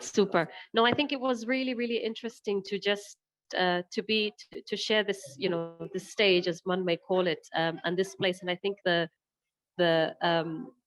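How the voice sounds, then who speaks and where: A woman's voice: lowish voice, low-quality recording. A woman giving spontaneous remarks in an online discussion, tentative and rambling, often correcting herself. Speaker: invited discussion participant. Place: online video call.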